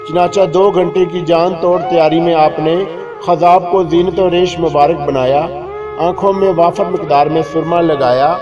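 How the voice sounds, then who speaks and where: A man reading a scripted humorous moral tale in a measured, literary, mock-solemn storytelling manner. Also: fairly high pitch. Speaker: story narrator. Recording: dull lo-fi recording with music behind. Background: clear background music.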